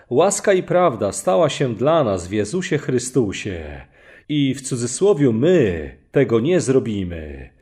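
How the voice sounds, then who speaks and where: Slow, emphatic man preaching. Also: mid-range voice, darkish tone. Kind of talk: sermon.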